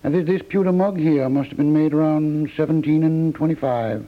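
An actor playing a laconic, canny antique shop keeper with folksy rural phrasing in a 1950s radio comedy. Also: male voice, on the high side, slight background noise, close to an everyday voice. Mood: matter-of-fact. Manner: folksy, drawling rural phrasing, unhurried salesman. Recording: tinny, band-limited 1950s radio recording.

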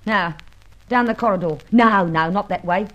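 A woman's voice: mid-range voice, normal speed, dull audio, a little hiss or hum, lightly acted. A woman playing a brazen, slangy London jewel thief who bosses people about in a radio crime serial. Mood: defiant. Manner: bossy, slangy, taunting.

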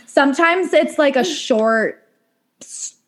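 A woman with a fairly high voice chatting on a podcast. She is wry and reflective and giggles often as she talks things through. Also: lively intonation, takes it slowly. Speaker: podcast co-host. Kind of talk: casual chat.

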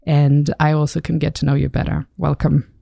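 Mellow-voiced woman hosting a podcast. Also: deep voice, little pitch movement, normal speed, vocal fry, dry recording. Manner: polite, earnest. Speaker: podcast host. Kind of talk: scripted intro, then interview questions. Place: podcast studio.

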